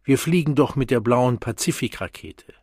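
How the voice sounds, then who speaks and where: A man with a husky voice reading an audiobook and voicing a popular, cheerful young woman in a brighter, eager tone. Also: mid-range voice, normal speed, no echo, studio quality, voice pushed up. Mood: friendly. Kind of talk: audiobook character voice.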